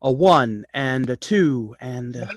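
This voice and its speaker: A man playing an anxious, exasperated high school band teacher in an amateur table read, speaking in a clipped way. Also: expressive, takes it slowly, dry recording. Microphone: virtual table read over video call.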